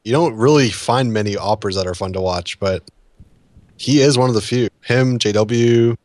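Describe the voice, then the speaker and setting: A man co-commentating an esports match, offering relaxed, conversational analysis on a headset mic. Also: mid-range voice, moderate pace, no echo.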